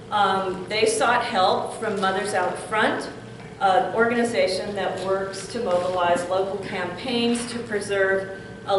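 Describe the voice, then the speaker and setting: An older woman, a grandmother, welcoming people to a community meeting in an outgoing, chatty way, laughing now and then. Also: medium pitch. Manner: warm-voiced, outgoing, laughs often. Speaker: community organizer giving welcome. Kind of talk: public meeting remarks. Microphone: room mic at a distance. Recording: echoey room from far off, noisy.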